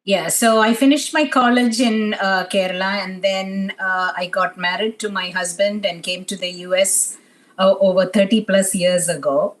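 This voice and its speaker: Soft-spoken woman guest with many fillers. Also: medium pitch, fairly even intonation, moderate pace, rough recording. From Tanzania. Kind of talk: interview chat.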